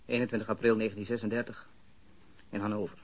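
A man's voice: on the low side, level tone, fast talker, slight background noise, close to an everyday voice. An actor playing a guarded suspect in his thirties under questioning in a radio drama, terse and faltering. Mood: guarded, flat. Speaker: interrogated suspect.

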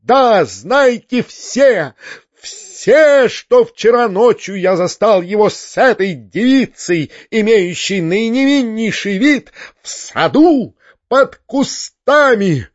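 A man's voice: high-pitched, animated, slow, no echo, muffled recording, voice pushed up. A man voicing a pompous, sanctimonious older male tyrant who preaches and shrieks. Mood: shrieking. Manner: preachy, shrieking when enraged.

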